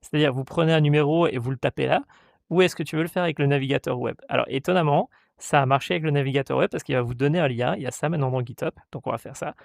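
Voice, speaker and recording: A man hosting a tech tutorial, talking step by step with many hesitations and playfully voicing what the software asks him. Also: on the high side, very fast, vocal fry, no room sound, clean studio sound. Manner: hesitant, many "euh" fillers, reads out codes step by step; voices the software in playful mock dialogue. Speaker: tutorial host. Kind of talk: screen-recorded tech tutorial.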